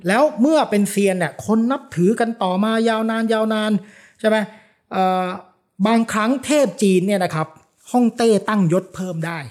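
A man's voice: high voice, a little mellow. A man hosting a casual talk show, explaining at length with frequent fillers and repeated agreement. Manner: fast, explains with many "ah" fillers and repeated "yes yes". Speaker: podcast host, philosophy lecturer.

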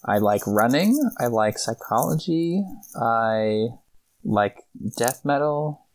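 A man's voice: medium pitch, slow, rough recording. A man from the United States, an improv teacher, talking as a guest in a casual interview, rambling with frequent restarts.

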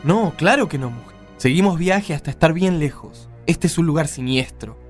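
A man's voice: on the high side, normal speed, soft background music, natural voice. A man with an Argentine accent playing a blunt, skeptical, weary caravan-leader father in a radio play. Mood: grim, emphatic.

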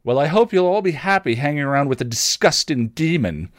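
Man doing a sneering young woman, raised pitch. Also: lively intonation, a little fast, dry recording, studio quality, lightly acted. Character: sneering, haughty young woman, intolerant and snappish.

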